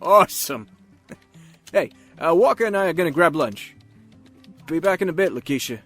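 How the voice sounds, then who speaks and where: Lively, breezy buddy. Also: male voice, a little high, normal speed, soft background music. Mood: cheerful. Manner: casual, breezy. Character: upbeat, well-meaning male colleague and friend. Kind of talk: audio drama acting.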